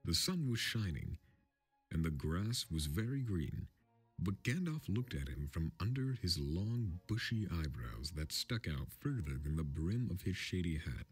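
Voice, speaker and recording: A man's voice: sits low, big pitch swings, unhurried, slightly rough. A man reading a fantasy storybook aloud as scripted narration, in the role of storyteller. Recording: film score music underneath.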